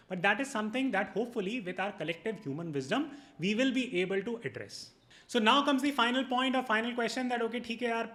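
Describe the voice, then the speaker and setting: A man with a North Indian accent speaks in a high register at a rapid clip. He explains things to viewers point by point, like an educator, stressing his key words in a didactic manner. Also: a bit bright. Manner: didactic, emphatic, mixes in Hindi phrases. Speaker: video host and educator.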